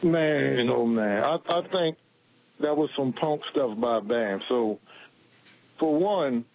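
Husky forty-year-old man calling in. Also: mid-range voice, slow pace, darkish tone. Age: 40s. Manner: blunt, casual, says bro a lot. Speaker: caller. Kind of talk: phone-in opinion. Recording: dull phone-line audio.

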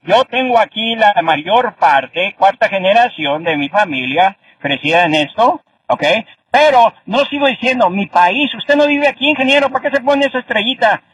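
A man's voice: sits high, lively intonation, normal speed, a bit bright, breathy edge, dry recording, rough recording. An older man from Jalisco with a Mexican accent, calling into a sports talk show and rambling heatedly, often tossing in "ok?". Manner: rambling, repeats "ok?". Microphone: phone while driving.

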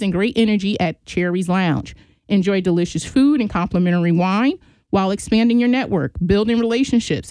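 A woman's voice: mid-range voice, mellow, no echo. A woman hosting a radio program, reading event announcements in an upbeat promotional way and welcoming a guest. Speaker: radio show host for a business chamber. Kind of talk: reading announcements, then interviewing.

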